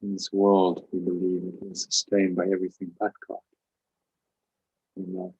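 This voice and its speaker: A man leading a guided meditation as a spiritual teacher, giving calm, measured instructions with pauses. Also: low-pitched, creaky, breathy edge, dull audio.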